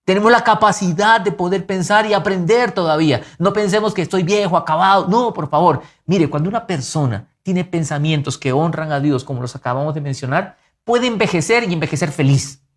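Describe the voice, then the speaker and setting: A man preaching a sermon as pastor, earnest and emphatic, swinging from lively rises to soft, quiet drops. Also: a little high, brisk, few pauses.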